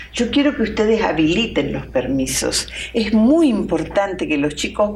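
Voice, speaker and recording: A woman at a medium pitch makes very wide pitch swings. Noticeable background noise and audible room echo fill the recording. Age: 70s. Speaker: author and family counselor. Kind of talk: TV interview talk.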